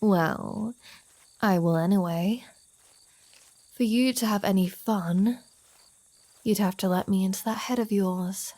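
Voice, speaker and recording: Slow, teasing vampire woman, acted by a woman. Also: mid-range voice, dark tone, no echo. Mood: flirty, teasing. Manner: teasing, sardonic, sweary, drawling. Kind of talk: ASMR roleplay audio drama addressed to the listener.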